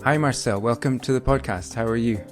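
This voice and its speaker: A man hosts a podcast, opening the show and interviewing with enthusiasm, though fillers and some hesitation creep in. His voice is mid-range and a little fast, with soft music playing behind him.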